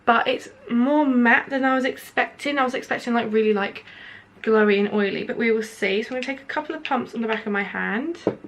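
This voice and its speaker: A young woman rambles through a makeup test at home in a slightly high voice. Her voice is nasal and congested from hay fever, and her throat sounds sore. She talks casually and loosely, leaning on filler words. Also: brisk, slight background noise. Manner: chatty, rambling, many filler "like"s. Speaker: beauty vlogger. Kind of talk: casual product review while applying makeup. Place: indoors at home, window open.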